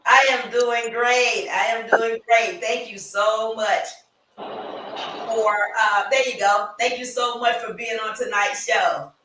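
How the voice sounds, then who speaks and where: A woman's voice: fairly high pitch, steady tone, slow pace, bright, forceful tone, recorded from a distance, slight background noise. A woman hosting an interview show, reading a scripted welcome and then prompting her guest in a chatty way. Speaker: talk show host. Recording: roomy echo, away from the mic.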